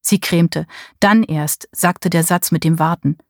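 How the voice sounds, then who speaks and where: Eine Frau liest ruhig eine Erzählung vor. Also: female voice, lowish voice, steady tone, a little slow, vocal fry, no echo, clean studio sound. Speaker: audiobook reader. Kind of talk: scripted narration.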